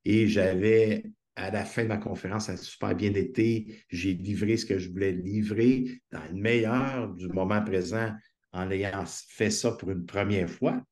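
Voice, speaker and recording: A man's voice: lowish voice, fairly even intonation, unhurried, darkish tone. A man with a Québécois French accent, a guest speaker telling stories in a conversational interview, earnest and enthusiastic, on a video call.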